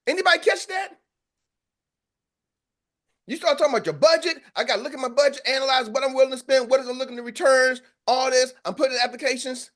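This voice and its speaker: A man's voice: extremely high pitch, fast talker. An American man coaching a group call in a fiery, preacher-like motivational style, repeating lines for emphasis. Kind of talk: motivational pep talk.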